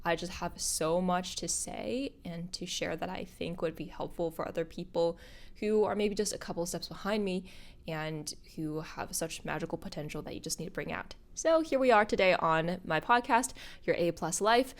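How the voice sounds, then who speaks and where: A young woman hosting her own podcast, talking casually and upbeat to viewers, her voice husky because she is a little sick. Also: fairly low pitch, normal speed. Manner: bubbly and upbeat, addressing viewers directly. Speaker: podcast host and content creator. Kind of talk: casual solo podcast talk.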